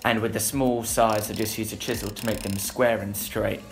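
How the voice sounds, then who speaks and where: A young man narrating a woodworking build in a relaxed voice-over, with frequent filler sounds. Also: on the low side, moderate pace. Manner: plain, easygoing, frequent "uh" fillers. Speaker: woodworking channel host. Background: background music.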